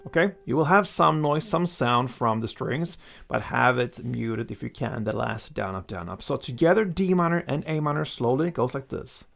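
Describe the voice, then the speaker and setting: A man's voice: mid-range voice, expressive, normal speed, creaky, fairly bright tone. A man giving casual, step-by-step guitar instruction, counting out strumming strokes as he goes, with acoustic guitar behind him. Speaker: guitar teacher. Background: acoustic guitar playing.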